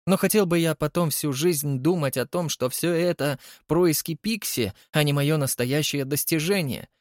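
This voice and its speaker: A man's voice: fairly high pitch, normal speed, dry recording, studio quality, voice pushed up, lightly acted. A man voicing a vain, eccentric male artist who talks dramatically and indignantly, in an audiobook reading. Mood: impassioned. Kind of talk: audiobook character voice.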